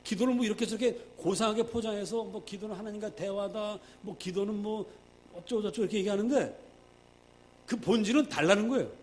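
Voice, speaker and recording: A man's voice: sits high, a little fast. Emphatic male pastor preaching. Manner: emphatic, swings between loud and hushed; acts out quoted prayers. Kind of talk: sermon.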